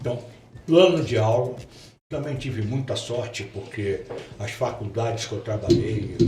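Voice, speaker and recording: Medium-pitched male speech at a fairly slow pace, long, frequent pauses and ordinary pitch variation, with audible room echo and noticeable background noise. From Rio de Janeiro, Brazil (Copacabana, Zona Sul). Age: 70s. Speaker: accounting professor. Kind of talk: interview.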